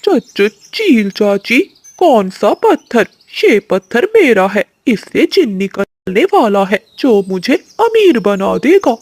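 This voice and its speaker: A woman's voice: fairly high pitch, very animated, takes it slowly, few pauses, darkish tone, no room sound, full character voice. A woman voicing a greedy, lazy male crow in a cartoon. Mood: scared. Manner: stammers when scared.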